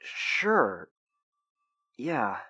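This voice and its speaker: A man playing an awkward, embarrassed sixteen-year-old werewolf boy in an audio drama, hesitant, stammering and clearing his throat. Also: medium pitch, wildly swooping pitch, extremely slow, sharp tone, lo-fi sound, soft background music, full character voice. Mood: embarrassed, withdrawn.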